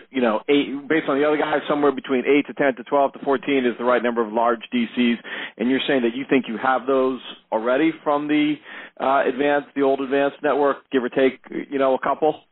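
Male financial analyst, middle pitch, loose halting questioning, tinny telephone audio throughout. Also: fairly even intonation. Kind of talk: unscripted questioning on earnings call. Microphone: phone. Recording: tinny narrow phone connection.

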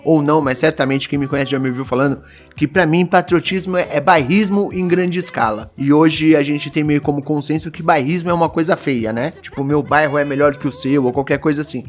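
A Brazilian man casually arguing his views in a group discussion, blunt and animated, firing off rhetorical questions. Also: fairly high pitch, a little fast, few pauses.

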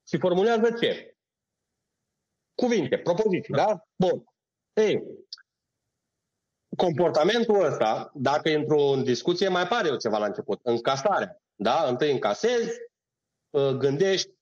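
A man's voice: fairly high pitch, darkish tone. A man, an acting teacher on a podcast, explaining in a didactic way, listing steps and checking in with his listener. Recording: dull lo-fi sound.

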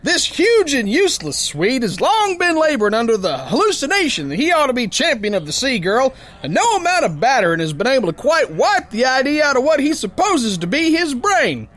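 Brash, high-pitched sailor brawler. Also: male voice, sing-song, brisk, few pauses, a bit bright, full character voice. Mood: boastful storytelling. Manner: slangy, folksy, ungrammatical tough talk. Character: brash, rough prize-fighting Texan sailor telling his tale. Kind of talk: old-time radio adventure narration.

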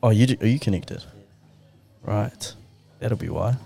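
A man's voice: lowish voice, unhurried, dark tone, faint music behind. A man hosting a podcast, bantering in a blunt, teasing, sweary way. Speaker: podcast host. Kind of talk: casual banter. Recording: clear background noise.

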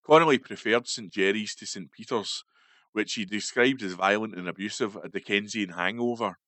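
A man with a fairly low voice reads a newspaper feature aloud, steady and measured. The sound is close and dry, with no room echo. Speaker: newspaper article reader. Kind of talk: read-aloud news feature.

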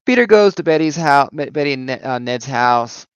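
A man's voice: mid-range voice, expressive, normal speed, clean tone, dry recording, lo-fi sound. A man casually recapping a comic book issue, rambling with many fillers and restarts.

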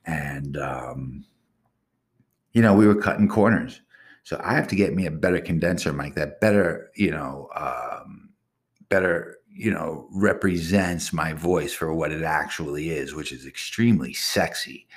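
Very deep-voiced boastful man. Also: measured pace. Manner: boastful, crude, rambling. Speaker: podcast host. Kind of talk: casual solo podcast monologue.

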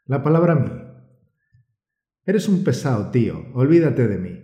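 A man from with a mellow, warm voice, co-hosting a scripted grammar lesson. He explains rules calmly and encourages the listener. The recording has a roomy echo. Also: mid-range voice, measured pace, dull audio. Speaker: podcast co-host and Spanish teacher. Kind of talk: scripted teaching podcast.

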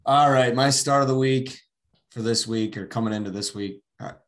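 Mid voice guy, relaxed, chuckling about his bad pick on a football podcast. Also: mid-range voice, moderate pace. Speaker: podcast co-host.

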